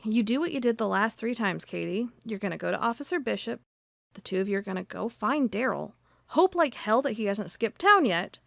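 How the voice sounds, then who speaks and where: A woman delivering scripted audio-drama narration and dialogue in a dry, deadpan manner. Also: fairly high pitch, brisk, gravelly, dry recording.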